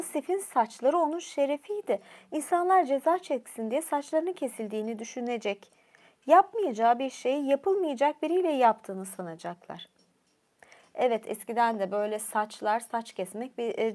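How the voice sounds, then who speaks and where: A woman storyteller reading a myth aloud, expressive, with a few casual asides. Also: fairly high pitch. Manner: expressive, occasional aside comments.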